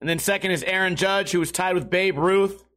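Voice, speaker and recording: High-pitched guy hosting a stream podcast, kinda hoarse, losing his voice, rambly and swears a lot. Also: brisk, a bit bright. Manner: loose, rambling and profane. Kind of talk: casual livestream chat.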